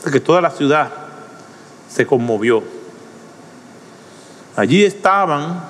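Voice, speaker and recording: Male pastor, high-pitched and unhurried, impassioned sermon delivery, long hall reverb. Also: expressive, slight background noise. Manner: impassioned preaching that swells into shouted pleas.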